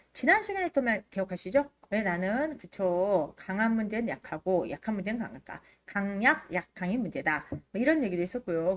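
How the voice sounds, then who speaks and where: A woman instructor hosts a live exam-prep lecture with very animated, swinging intonation. She speaks at a medium pitch in an emphatic, conversational manner. Her throat is a little under the weather from allergies. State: allergy-affected throat, occasional coughing. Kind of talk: livestream lecture, addressing students.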